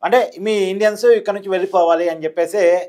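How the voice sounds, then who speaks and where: A man's voice: sits high, fairly even intonation, quick pace, a little mellow. A man giving explanatory political commentary as a guest analyst, emphatic and given to repeating his phrases.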